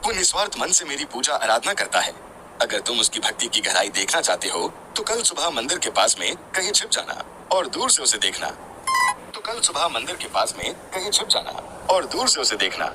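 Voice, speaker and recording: A man voicing a calm, forgiving Hindu god who makes stately, formal pronouncements in a devotional story. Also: medium pitch, moderate pace, slight background noise. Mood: solemn, benevolent.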